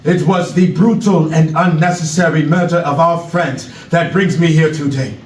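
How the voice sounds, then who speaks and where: A man playing a solemn black panther in a stage play, giving grave, deliberate oratory to fellow animals. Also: fairly high pitch, steady tone, a little mellow, a little hiss or hum, lightly acted. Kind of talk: stage play reading, speech. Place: echoey room, away from the mic. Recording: roomy echo, distant microphone.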